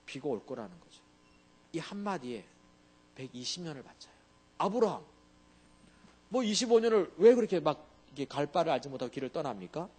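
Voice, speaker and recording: Male pastor, conversational sermon, keeps checking in with the congregation, pitch swings widely, slightly high voice. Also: big pitch swings, brisk, long pauses, dark tone, breathy edge. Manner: conversational, often asks the congregation to agree.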